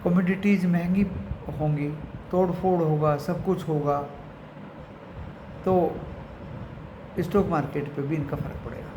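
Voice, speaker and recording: An Indian man hosting a channel gives unscripted commentary on the markets, addressing viewers as friends and often using English phrases. His voice is slightly high and steady, at a measured pace with frequent pauses. He's recorded in an echoey room with clear background noise.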